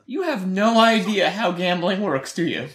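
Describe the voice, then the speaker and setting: A man's voice: high voice, expressive, normal speed, a bit bright, echoey room. A man playing a tabletop game, teasing and cracking jokes. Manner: teasing, wisecracking. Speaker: tabletop player.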